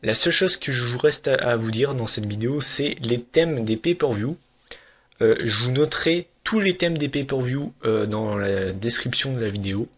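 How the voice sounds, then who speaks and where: A man's voice: medium pitch, moderate pace, a bit bright, breathy edge. Blunt young man reviewing wrestling. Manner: frank, blunt, with many fillers and restarts. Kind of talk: casual opinion vlog.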